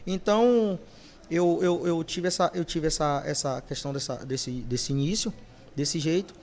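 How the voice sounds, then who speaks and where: A male singer, a podcast guest, telling his story in a casual interview and lively acting out the voices of people he quotes. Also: on the high side, normal speed.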